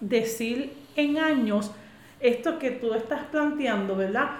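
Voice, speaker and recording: Amid noticeable background noise and audible room echo, a woman speaks at a high pitch with lively intonation. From Puerto Rico, metropolitan area. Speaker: podcast co-host, social worker. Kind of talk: casual conversational interview.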